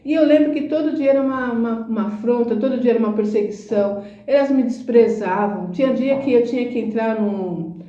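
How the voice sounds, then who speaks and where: A woman's voice: on the high side, fairly quick, warm tone, reverberant, lo-fi sound. A woman giving a conversational sermon, speaking earnestly and emphatically and often asking rhetorical questions. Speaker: Christian speaker.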